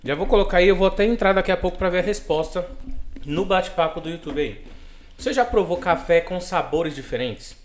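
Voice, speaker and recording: A man's voice: high voice, fairly quick. Joking Brazilian man hosting a podcast. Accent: Brazilian Portuguese. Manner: jokey, laughs often. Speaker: podcast host. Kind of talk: casual live podcast chat.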